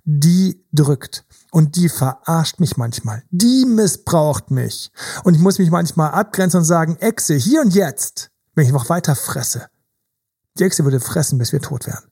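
A man's voice: on the high side, lively intonation, moderate pace, gravelly, dark tone, slightly rough. A man talking as a relationship coach in casual podcast conversation, emphatic and repetitive, building vivid images.

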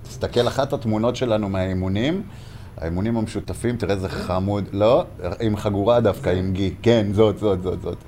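A man's voice: fairly low pitch, mellow, slight background noise. A man hosting a casual podcast interview, asking probing questions conversationally with fillers. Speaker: podcast host.

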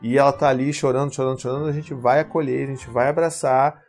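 A man's voice: mid-range voice, steady tone, fast, a little mellow, faint music behind. A man speaking in a casual advice vlog, telling a story with animation and acting out his own dialogue. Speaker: parent vlogger.

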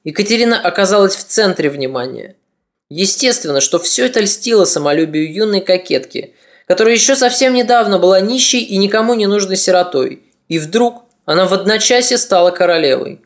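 A podcast narrator giving a scripted historical narration, measured storytelling with ironic asides. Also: medium pitch, animated.

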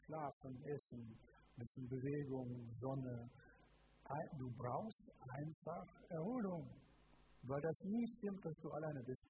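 A man's voice: on the high side, slow pace, noisy background. A man preaching a live sermon to a congregation, speaking emphatically and asking them direct questions. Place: church service before a congregation.

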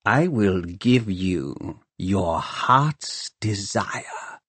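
A man's voice: lowish voice, lively intonation, extremely slow, fairly bright tone, husky, no room sound, heavily acted. A man playing a curt, cold city ruler. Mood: cold command. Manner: curt, clipped, commanding.

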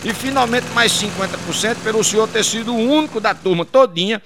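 A man telling a string of jokes. He tells them in a lively way and slips into character voices along the way. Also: high-pitched, a little fast, background noise. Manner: lively storyteller, drops into character voices and laughs at his own punchlines. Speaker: joke teller.

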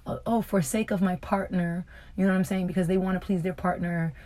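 This podcast co-host has a warm, steady voice on the low side and talks a little fast. She keeps the candid, casual conversation going, patiently explaining things and laughing readily.

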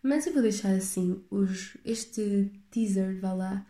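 Warm-voiced European Portuguese woman podcasting. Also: medium pitch, slow pace, roomy sound. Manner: rambling, reflective, chatty with restarts. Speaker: podcast host. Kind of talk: casual solo podcast chat.

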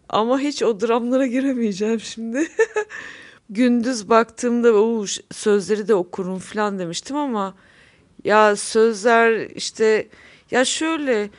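A woman hosting a music program, chatting casually between songs and laughing often. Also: on the high side. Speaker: radio show host. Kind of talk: casual music show chat.

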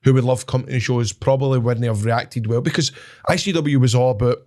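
A man with a Scottish accent telling animated, swearing-laced stories as a wrestler guest in casual chat. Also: mid-range voice, fairly quick. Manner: animated, swears, laughs at his own stories.

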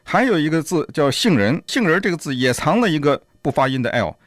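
Quick, lively Chinese radio co-host man. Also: a little high, no room sound, studio quality. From China. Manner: explains with many examples, chuckles at language traps. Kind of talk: casual radio discussion.

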